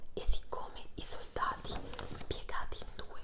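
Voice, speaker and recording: Speaking in a whisper, a woman keeps a moderate pace. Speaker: ASMR creator. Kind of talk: audiobook reading. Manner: whispered. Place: home room. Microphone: lapel.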